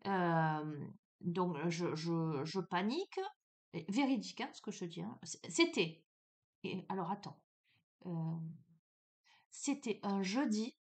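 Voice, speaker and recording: Middle-aged woman, spiritual guidance host, middle pitch, casual and animated storyteller, filler-heavy, talks straight to the viewer. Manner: chatty, animated, many fillers, addresses listener as tu.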